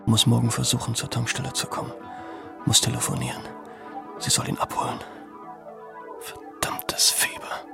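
An actor playing a sick, weary middle-aged father in a radio play, speaking in terse, halting, breathy mutters. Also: medium pitch, steady tone, over music. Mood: weary, evasive. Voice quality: breathy, creaky, often whispering. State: sick with fever. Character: weary, feverish father in a snowbound log cabin.

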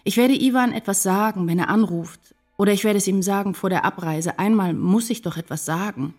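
An actress playing an anxious, tender writer in love, narrating a literary radio drama in an intense, confessional way. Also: female voice, mid-range voice, fairly quick, darkish tone, natural voice. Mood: longing, resolute. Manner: intense, confessional first-person storytelling. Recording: music behind the voice. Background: music.

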